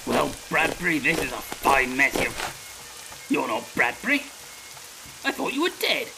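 A man's voice: medium pitch, sing-song, a little slow, creaky, noisy background. A man playing a petty, shameless dictator in a comedy audio drama, with a pompous, self-serving manner. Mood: indignant, unrepentant. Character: petty, shameless male dictator of a comic dystopia.

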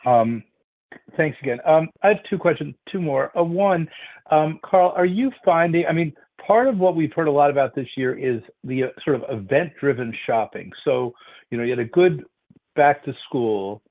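Guy analyst calling in, average pitch, stop-start roundabout questions, tinny phone audio. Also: moderate pace. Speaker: financial analyst asking questions. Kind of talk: earnings call questioning. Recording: dull band-limited phone line.

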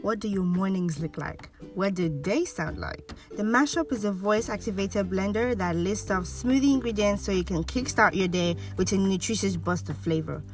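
A woman's voice: mid-range voice, moderate pace, few pauses, distant mic. A woman voice-over artist reading scripted advertising copy. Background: music.

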